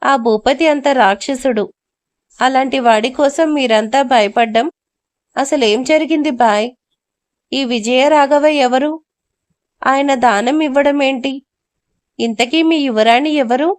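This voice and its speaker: A woman's voice: high voice, takes it slowly, pauses often. Woman playing a commanding older brother. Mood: firm. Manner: firm, scolding, mixes Hindi words.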